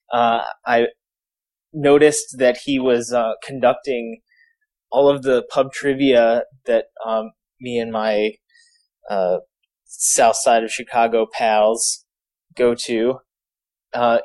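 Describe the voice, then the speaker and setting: Male podcast co-host, medium pitch, casual, halting delivery with pauses. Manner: halting, pauses mid-thought. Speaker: podcast co-host, game creative director.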